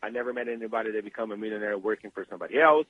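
A man from Brazil with a Brazilian Portuguese accent, a guest in an interview, talking eagerly with many halting restarts. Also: on the low side, a little hiss or hum. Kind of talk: interview over phone. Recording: tinny phone line.

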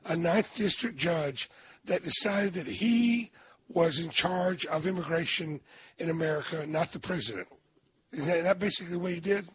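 A man with a hoarse voice hosting a radio talk show, chatting in a folksy, emphatic way and often restarting his sentences. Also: a little high, moderate pace, a bit bright.

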